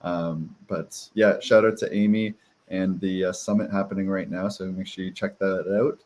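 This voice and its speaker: Co-host guy reading out updates over video call, chill and upbeat, lowish voice. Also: flat delivery, moderate pace. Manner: upbeat, breezy, promo-style shout-outs. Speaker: podcast co-host and producer. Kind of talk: casual live-stream announcements.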